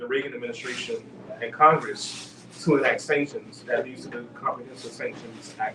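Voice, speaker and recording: A man with an American accent talks at a fairly quick pace, with noticeable background noise behind him. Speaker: professor. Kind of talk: interview. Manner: fast.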